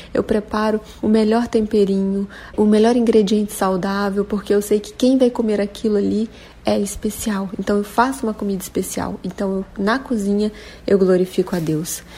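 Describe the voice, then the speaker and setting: At a moderate pace, a woman speaks in an ordinary speaking voice at medium pitch with fairly even intonation. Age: 30s. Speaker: homemaker. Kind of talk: testimony.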